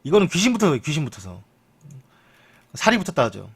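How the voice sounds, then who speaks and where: Young man, casual stream commentary, lively swooping pitch, slightly high voice. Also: fast, husky. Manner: chatty, lively pitch, jokes and mutters asides. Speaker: streamer reading football news.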